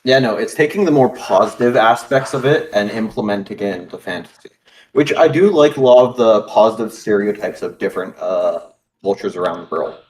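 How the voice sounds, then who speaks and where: A man with a lowish voice, chatting casually as a guest on a stream. He rambles through his opinions, pausing with "uh" and hunting for the right word. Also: darkish tone, a little hiss or hum, low-quality recording. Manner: rambling, opinionated, fumbles for words. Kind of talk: casual chat.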